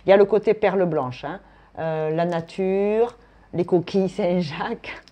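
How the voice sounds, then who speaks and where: A woman's voice: lowish voice, a little slow, dark tone. A woman from France, giving a casual tarot and astrology reading in a chatty, thinking-aloud manner. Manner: chatty, thinks aloud, frequent tag "hein". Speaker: tarot reader.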